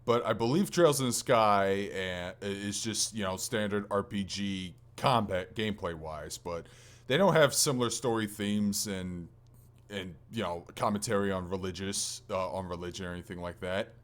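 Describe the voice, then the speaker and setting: Low-voiced man, casual podcast talk. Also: normal speed. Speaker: podcast co-host. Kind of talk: casual gaming podcast chat, reading listener questions.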